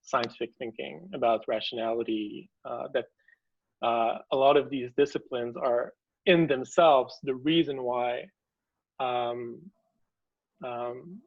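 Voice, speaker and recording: A man answering as an interview guest, talking hesitantly and with care, often pausing and restarting. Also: medium pitch, vocal fry, no echo, dull audio. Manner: hesitant, many fillers and restarts, measured. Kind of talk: conversational interview.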